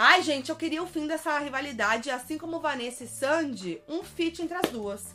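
Over noticeable background noise, a woman speaks in a raised, projected voice at a moderate pace. Her tone is animated, with very wide pitch swings. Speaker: pop culture youtuber. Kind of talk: scripted narration.

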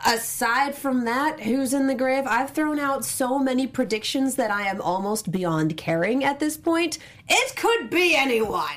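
A woman speaks in a high pitch at a fairly slow pace, with hardly any pauses. Her intonation is lively, and there is noticeable background noise. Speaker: TV after-show panelist. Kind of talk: casual panel chat.

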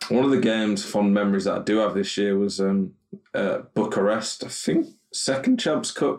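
A man with a normal speaking voice talks at a moderate pace, his pitch fairly low and ordinary in its variation. His loudness stays very even. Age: 20s. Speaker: professional esports player and coach. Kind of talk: interview.

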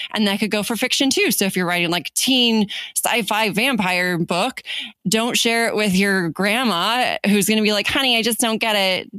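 With an American accent, a woman speaks at a moderate pace in a bright, sharp tone. Her pitch is fairly high, with ordinary variation and very even loudness. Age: 30s. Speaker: author and writing coach. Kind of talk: casual interview.

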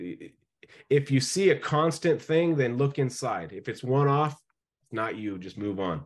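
A man with a plain, everyday voice, medium in pitch, moderate in pace, with lively intonation. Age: 40s. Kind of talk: one-on-one coaching session.

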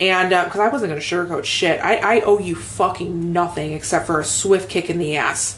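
Over noticeable background noise, a woman with a fairly low pitch speaks at a moderate pace in an animated tone with ordinary pitch variation. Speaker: podcast co-host. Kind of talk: casual chat.

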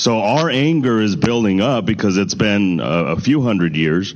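A man with a plain, everyday voice speaks at a fairly low pitch. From US, Mexican immigrant family. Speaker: gun training company owner and activist. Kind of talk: panel discussion.

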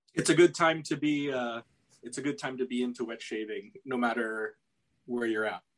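Using an unremarkable speaking voice, a man talks at a moderate pace and medium pitch with ordinary pitch variation. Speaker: podcast co-host. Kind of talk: interview chat.

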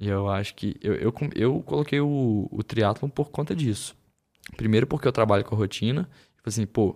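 A man with an ordinary speaking voice at medium pitch and moderate pace, in a very clean recording with a silent background and a dry, close sound with no echo. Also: ordinary pitch variation. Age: 20s. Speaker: triathlete and routine coach. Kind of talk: casual chat.

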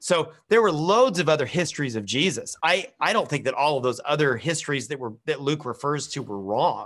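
A man's unremarkable speaking voice at a fairly high pitch, with lively intonation, a fairly quick pace and hardly any pauses. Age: 50s. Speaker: theology podcast co-host. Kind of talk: casual theological discussion.

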